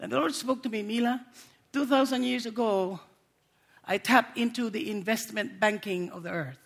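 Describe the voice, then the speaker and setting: A woman with a fairly high voice and vocal fry moves at a moderate pace, with very wide pitch swings and long, frequent pauses. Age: 70s. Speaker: guest preacher. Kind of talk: sermon. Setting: church. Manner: animated.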